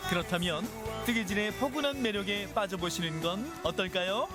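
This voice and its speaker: A man's voice: sits high, normal speed, over loud music. A man reading scripted voice-over narration in a playful, rhythmic way.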